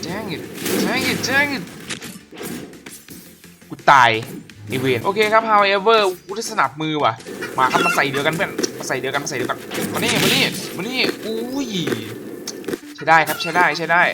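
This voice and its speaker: A man giving casual gameplay commentary as a gaming YouTuber, excitable and profane, often shouting at the enemies on screen. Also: high-pitched, a little fast. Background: game music.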